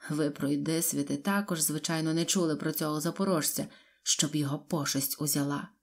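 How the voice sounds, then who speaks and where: A woman voicing a brutal, red-faced male officer with a rough voice, who gives slow, menacing orders in an audiobook. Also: fairly high pitch, fairly even intonation.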